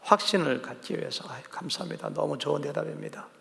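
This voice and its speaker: A man's voice: fairly high pitch, fast talker, vocal fry, a bit bright. A male pastor preaching a sermon in a conversational way, drawing answers from the congregation and acting out quoted dialogue. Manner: conversational, asks the congregation questions; acts out quoted dialogue vividly. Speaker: senior pastor. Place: church sanctuary. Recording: church sanctuary with long reverb.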